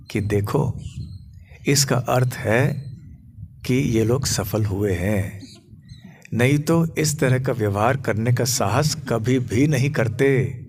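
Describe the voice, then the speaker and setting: Man, monk preacher, sermon storytelling, slow and measured, gentle, hesitant pauses, faint background noise. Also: mid-range voice. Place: temple on a pilgrimage tour.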